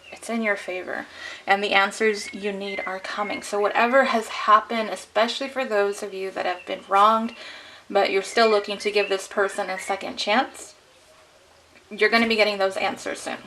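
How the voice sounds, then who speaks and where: A woman's voice: mid-range voice, fairly bright tone, a little hiss or hum, poor audio. A woman giving a casual tarot card reading to camera, chatty and encouraging, laughing often, her voice a little worn. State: losing her voice. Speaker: tarot reader.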